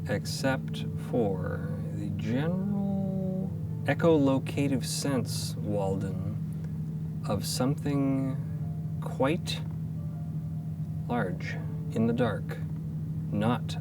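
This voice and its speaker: A man narrating an improvised tabletop adventure as game master, with deliberate, suspenseful, dramatic phrasing. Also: medium pitch, expressive, distant mic, loud music behind the voice.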